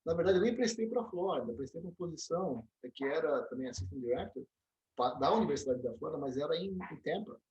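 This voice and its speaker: A middle-aged Brazilian man being interviewed, telling animated stories with frequent restarts and tag questions. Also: a little high, fast talker, highs cut off, crowd noise. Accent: Brazilian Portuguese. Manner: storytelling, animated, many restarts and "né?" tags. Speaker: interview guest, dentist and program director. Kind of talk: casual interview conversation.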